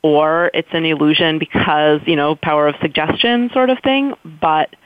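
A woman's voice: sits low, moderate pace, no room sound. Thoughtful American woman on a phone line. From United States. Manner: thoughtful, searching, with many restarts. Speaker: author guest. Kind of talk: reflective interview answers. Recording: dry tinny phone line.

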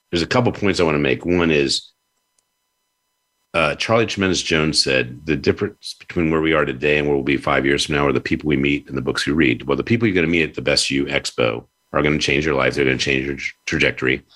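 A man's voice: extremely low pitch, a little fast, sharp tone. A man hosting a conversational interview, effusive and given to repeating his phrases. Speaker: host; publisher.

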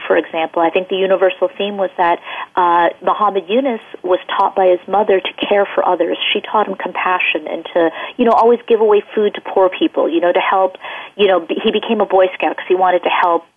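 A woman children's book author speaking in an interview, rambling along with many fillers and restarts. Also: fairly low pitch. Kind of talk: casual interview over the phone. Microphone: telephone. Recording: tinny phone line.

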